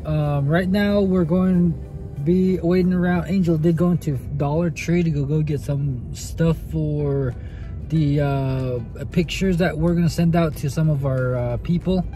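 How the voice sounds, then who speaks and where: A man with a Native American reservation accent talks in a casual, joking vlog style. His voice is slightly high and mellow, recorded on a phone inside a truck, with some music behind. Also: fairly even intonation, unhurried. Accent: Native American (Navajo reservation). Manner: jokey, playful. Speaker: family vlogger. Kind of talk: casual vlog chat to camera. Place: inside a parked pickup truck. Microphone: phone at arm's length.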